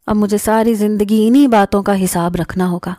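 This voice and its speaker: Woman narrating a sad first-person story, mellow dark voice, dry close recording. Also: medium pitch, fairly even intonation, dry recording. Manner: tearful, regretful storytelling.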